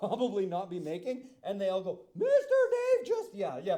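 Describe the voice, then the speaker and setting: A man speaks at a moderate speed. Behind him, noticeable background noise can be heard. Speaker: science educator. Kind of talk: tutorial. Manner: halting; animated.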